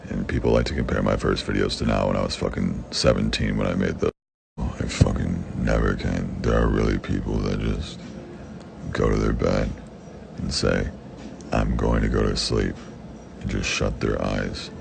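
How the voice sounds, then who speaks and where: A young man with a very deep, raspy voice, answering fan questions in blunt, profane casual talk. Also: fairly even intonation, moderate pace. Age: young adult. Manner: blunt and profane, with frequent swearing. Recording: background noise.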